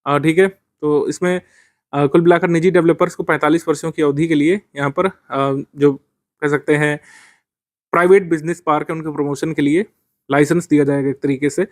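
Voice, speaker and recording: A man's voice: a little high, steady tone, moderate pace, no room sound. A man teaching current affairs for a civil services exam, explaining step by step with frequent fillers.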